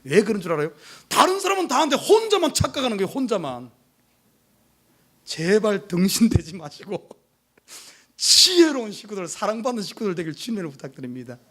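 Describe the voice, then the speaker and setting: High-pitched, animated male pastor preaching. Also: fairly quick. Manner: emphatic, asks the congregation rhetorical questions; swings between loud urgent pleas and hushed low asides. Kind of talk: sermon. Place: church service.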